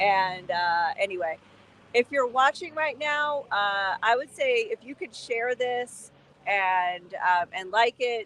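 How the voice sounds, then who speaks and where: Shouting at a fairly slow pace, a woman uses lively intonation in a dry, close sound with no echo. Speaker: livestreamer. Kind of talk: live outdoor vlog commentary. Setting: outdoors on a busy street. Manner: loud, yelling over traffic; hesitant, many fillers.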